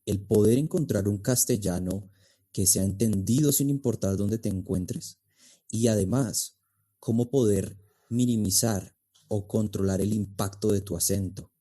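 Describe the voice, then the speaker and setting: A man's voice: lowish voice, unhurried, mellow. A man speaking as a podcast guest and speech coach, explaining in an emphatic way with rhetorical questions. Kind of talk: podcast interview.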